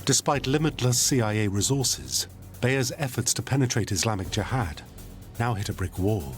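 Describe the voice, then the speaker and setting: A man giving measured, grave scripted narration for a documentary. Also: medium pitch, expressive, faint music behind.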